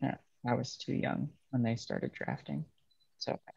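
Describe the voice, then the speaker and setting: A man playing a bitter young railroad worker in a dramatic table read, speaking in a halting, understated way. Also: medium pitch, very animated, gravelly, darkish tone, husky, dull audio, exaggerated voice. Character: bitter young railroad man estranged from his ruthless father.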